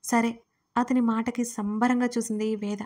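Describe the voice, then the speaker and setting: A woman narrating a serialized romance audio story in an even, measured reading. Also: fairly high pitch.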